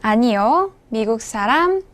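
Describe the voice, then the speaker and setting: A woman with a high voice narrates a language lesson as the teacher. She speaks very slowly and enunciates each phrase clearly. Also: very animated. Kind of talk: scripted instructional narration.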